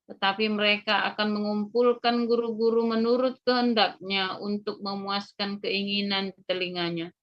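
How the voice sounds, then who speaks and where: A woman reads scripture aloud. Her delivery is measured and formal, and the sound is a little dull and lo-fi. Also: mid-range voice. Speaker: scripture reader. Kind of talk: reading Bible verses aloud. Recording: slightly dull, lo-fi audio.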